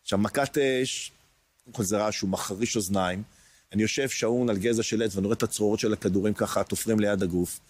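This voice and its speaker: A man in his sixties, an interview guest, recounting a personal ordeal in a hesitant way, searching for words with many pauses. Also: lowish voice, fairly even intonation, husky. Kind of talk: emotional personal testimony.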